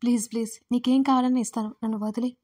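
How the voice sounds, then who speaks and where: A woman's voice: fairly high pitch, steady tone, very fast, a little mellow, close to an everyday voice. A woman doing a frightened, pleading young woman. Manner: fearful, pleading.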